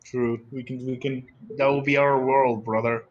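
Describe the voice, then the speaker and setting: A man's voice: medium pitch, flat delivery, normal speed, muffled recording, faint music behind. A man playing a tabletop game, bantering casually with the group.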